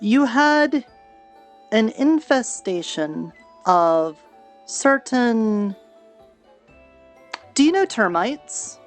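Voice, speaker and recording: A woman improvising in-character roleplay chat, explaining things in a halting, deliberate way. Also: a little high, sing-song, soft background music. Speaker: roleplayer in a virtual-reality game.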